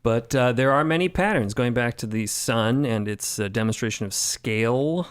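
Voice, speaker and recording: Guy on a podcast panel, medium pitch, coy and a bit theatrical, picks his words. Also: clear, resonant tone. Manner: coy, measured, slightly theatrical phrasing. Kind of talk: casual roundtable discussion.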